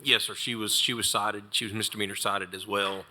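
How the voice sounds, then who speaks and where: A man, a sheriff's officer, giving a plain, halting account at a public hearing. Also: on the low side, fairly even intonation, pushed and bright. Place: county board meeting room.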